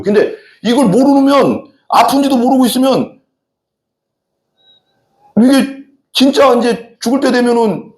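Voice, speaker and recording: A man preaching a sermon as pastor, talking straight to his congregation and often throwing questions at them. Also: sits high. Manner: animated, talks directly to the congregation with frequent questions. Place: church sanctuary. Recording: echoey church hall.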